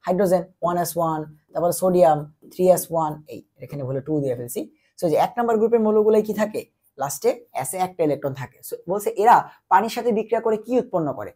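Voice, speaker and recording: Young male tutor, feverish, husky, mellow; drills questions and answers back. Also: high-pitched. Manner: repetitive call-and-answer teaching, quizzing the listener. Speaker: chemistry tutor. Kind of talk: exam-prep lecture.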